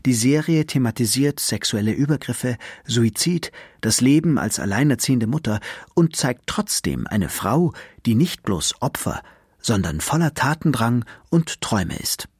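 A man narrating a television portrait in a measured, literary way. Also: mid-range voice, slightly rough, dry recording, studio quality. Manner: measured, expressive, literary phrasing. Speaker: documentary narrator. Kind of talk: scripted narration.

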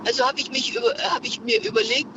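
A woman's voice: fairly high pitch, steady tone, fast talker. An older woman calling a radio show from her car, telling a story earnestly with many hesitations. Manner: earnest, searching for words with many fillers. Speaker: caller. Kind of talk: phone-in storytelling. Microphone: phone. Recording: muffled phone line with car noise.

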